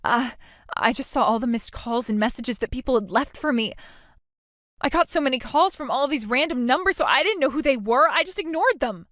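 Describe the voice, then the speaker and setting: A woman's voice: high voice, lively intonation, brisk, a bit bright, no echo, clean studio sound. An actress playing a self-absorbed bride who whines, stammers and makes demands of her sister. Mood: bewildered. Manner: whiny, self-pitying, stammering. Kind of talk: scripted drama acting.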